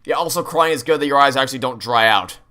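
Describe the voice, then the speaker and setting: A man's voice: mid-range voice, fast, bright, forceful tone. A man giving casual, chatty game commentary in a ranting, exasperated, sweary way. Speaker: gaming streamer playing through a game.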